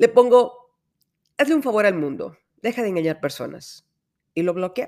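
A woman with a fairly high, dark and mellow voice and vocal fry speaks at a moderate pace with very wide pitch swings and long, frequent pauses. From Mexico, Monterrey. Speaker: podcast host, entrepreneur. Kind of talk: scripted narration.

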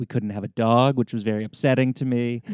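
A man talks with an American accent in a dark, mellow tone. The sound is dry and close with no echo. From New York City. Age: 30s. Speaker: podcast guest in recovery. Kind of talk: casual interview chat.

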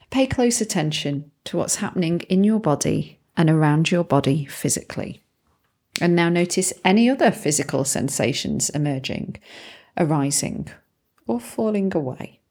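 She has a normal speaking voice, pitched fairly low for a woman, with lively intonation. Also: very clean recording, silent background. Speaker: meditation guide. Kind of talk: guided meditation. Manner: slow, calm, soothing; gentle, with long pauses.

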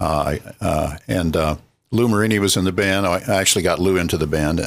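This man speaks with an American accent, his pitch very deep and low, rising and falling by an ordinary amount. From South Mississippi, US South. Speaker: jazz musician. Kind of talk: interview. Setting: studio.

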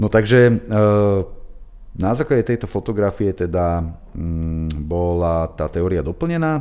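This man has a dark, mellow tone and a fairly low pitch. His intonation is lively. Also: fairly slow pace. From western Slovakia, near Senec. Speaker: geneticist. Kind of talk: interview. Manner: hesitant, many fillers.

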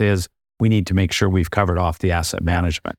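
A man with a western Canadian accent speaks at a fairly quick pace. The sound is dry and close with no echo, on a very clean recording with a silent background. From Calgary, western Canada. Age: 60s. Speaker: real estate investor. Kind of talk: interview conversation. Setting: at his home.

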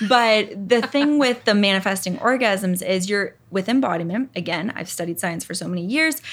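On a very clean recording with a silent background, a woman with an ordinary speaking voice talks at a moderate pace with lively intonation. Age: 20s. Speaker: life coach. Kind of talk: casual chat.

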